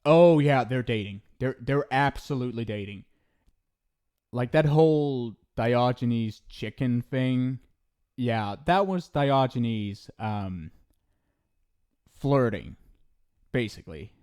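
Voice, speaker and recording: A man's voice: mid-range voice, lively intonation, takes it slowly, pauses often, darkish tone, clear, resonant tone. A man playing an affectionate, centuries-old ghost soulmate in an intimate ASMR roleplay, speaking casually and hesitantly. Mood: wry, amused. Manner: casual, hesitant, tender, reassuring.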